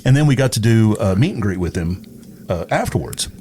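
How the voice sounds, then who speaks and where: A man's voice: lowish voice, lively intonation, brisk, mellow, husky. A middle-aged man, telling casual anecdotes as a guest on an interview show. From East Texas, USA. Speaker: radio personality, podcast guest.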